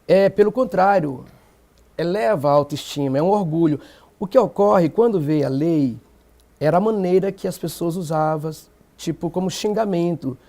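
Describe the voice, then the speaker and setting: Brazilian male activist, high mellow tone, emphatic, fond of rhetorical questions. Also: normal speed. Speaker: black movement activist guest. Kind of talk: TV panel debate.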